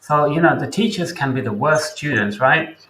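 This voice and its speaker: A man's voice: on the high side, expressive, bright, forceful tone, slight background noise. Chatty man host in a roomy space. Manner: chatty, thinks aloud with pauses. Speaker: English teacher and host. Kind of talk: casual interview chat.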